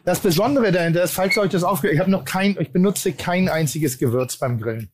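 A man chatting casually while cooking at a grill, brisk and teasing, listing ingredients as he goes. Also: high-pitched, a little hiss or hum. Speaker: cook at the grill, co-host.

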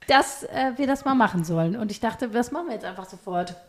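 A woman moderates a podcast in a casual, conversational style. Her voice is on the high side. She talks as a co-host steering an informal chat. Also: animated, fast talker.

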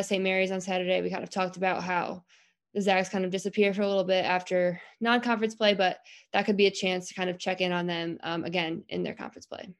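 A woman in her twenties co-hosting a basketball podcast, easygoing, laughing often and using many "um"s. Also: medium pitch. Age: 20s. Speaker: co-host of a college basketball podcast. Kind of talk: casual sports podcast chat.

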